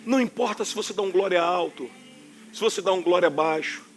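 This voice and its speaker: A Carioca man preaching in a high voice with forceful emphasis that sounds like scolding. A faint instrument plays under his words. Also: brisk, faint music behind. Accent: Carioca Portuguese. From Rio de Janeiro, Brazil. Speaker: pastor. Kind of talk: sermon.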